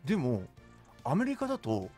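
A man's voice: a little high, huge pitch swings, normal speed, mellow. A young man chatting casually as a guest in a small radio studio. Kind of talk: casual chat. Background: faint music.

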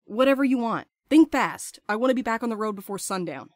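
A woman's voice: fairly high pitch, lively intonation, fairly quick, dry recording, natural voice. A woman playing a restless, blunt courier in an audio drama, urgent and sardonic, eager to escape. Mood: eager, insistent.

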